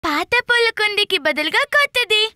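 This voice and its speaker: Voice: very high voice, expressive, normal speed, bright, forceful tone, no echo, clean studio sound, exaggerated voice. An actor voicing an eager, playful little child in a children's cartoon, speaking in a childlike way. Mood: cheerful. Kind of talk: animated children's cartoon acting.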